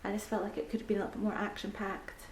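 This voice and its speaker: Young Scottish woman vlogger, relaxed mellow chatter with ums and soft near-whispers, in a roomy space. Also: medium pitch, very fast. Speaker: book vlogger. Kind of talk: casual reading vlog. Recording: echoey room with faint background hiss.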